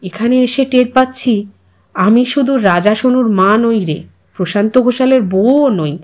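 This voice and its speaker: An older mother voiced by a woman narrator talks on in a fairly high voice. She is a content, chatty housewife in a storybook tale, earnest and reflective about her life. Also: a little slow, darkish tone. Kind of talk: storybook character dialogue.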